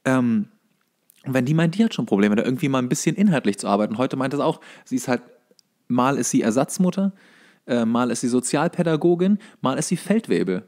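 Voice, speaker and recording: A man's voice: mid-range voice, sing-song, brisk, darkish tone. A young man chatting casually as a podcast co-host, colloquial and opinionated. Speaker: podcast co-host and workshop teacher.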